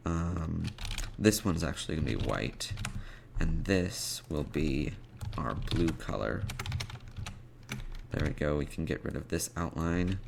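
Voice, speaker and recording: Male tutorial host, very slow delivery, fry-heavy voice, halting, thinking aloud, informal screencast, noisy recording with typing. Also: sits low. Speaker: web development tutorial host. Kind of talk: informal screencast coding tutorial, explaining steps while typing. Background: computer keyboard typing and clicks.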